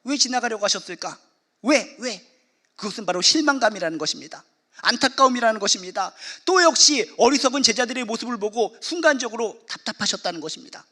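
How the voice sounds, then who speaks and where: A man's voice: very high-pitched, expressive, fast, pushed and bright. A male pastor preaching a sermon emphatically, repeating key phrases for effect.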